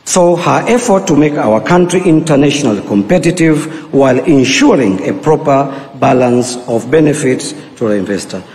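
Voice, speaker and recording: Guy finishing a formal speech, steady and measured, hall reverb. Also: medium pitch. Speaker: speaker closing a speech. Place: large conference hall. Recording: conference hall with long reverb.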